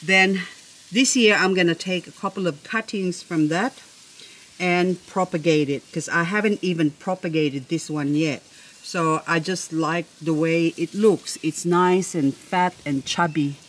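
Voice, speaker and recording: A woman's voice: lowish voice, rough recording. A woman vlogger chatting casually about her plants, gushing and admiring, with a playful, chatty way of talking. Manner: playful, jokes with herself. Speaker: succulent-growing vlogger. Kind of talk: casual show-and-tell chat.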